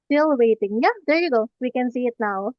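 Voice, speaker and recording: A woman's voice: fairly high pitch, animated, fairly quick. A woman hosting an online webinar in a polite, formal manner. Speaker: webinar host. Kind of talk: formal webinar introduction and chat. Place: indoors on an online video call. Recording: muffled, roomy online call audio.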